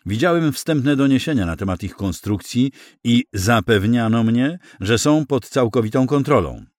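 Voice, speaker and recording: A man's voice: mid-range voice, lively intonation, moderate pace, darkish tone, dry recording, studio quality, close to an everyday voice. A man voicing an indignant council member who questions in an incredulous, demanding way. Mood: outraged.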